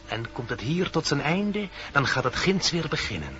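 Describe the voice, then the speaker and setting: A man's voice: on the high side, sing-song, normal speed, sharp tone, soft background music. A man voicing a wise, solemn deer in a radio play, speaking in cryptic, poetic incantations. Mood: solemn, foreboding. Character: wise, solemn male deer, oracle of old dreams. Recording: dull vintage radio recording.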